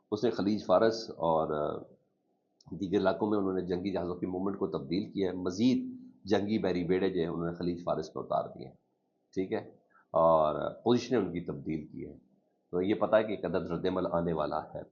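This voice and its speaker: A man with a Pakistani Urdu accent talks through the news in a relaxed, conversational way and explains what each report means. His voice sits very low. The recording is dull and lo-fi. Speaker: news commentator. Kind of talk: casual news commentary. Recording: dull lo-fi audio.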